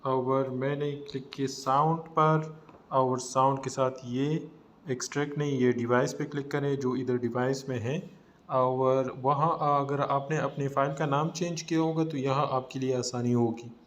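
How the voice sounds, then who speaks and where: A man with a South Asian accent gives a casual software tutorial, explaining informally step by step. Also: mid-range voice, steady tone, a little slow. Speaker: tutorial presenter. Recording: noticeable background noise.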